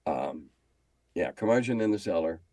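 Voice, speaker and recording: The game designer and magazine editor talks at a normal pace in a low, darkish voice with lively intonation, captured in a dry recording. He's an older man reminiscing casually for an interview, stressing his points and repeating phrases.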